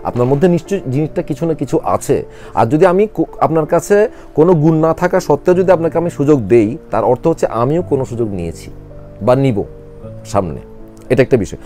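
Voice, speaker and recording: A man's voice: a little high, animated, a little fast, dark tone, faint music behind. A middle-aged male actor, talking in an interview in a reflective, matter-of-fact way. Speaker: actor guest. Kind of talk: interview conversation.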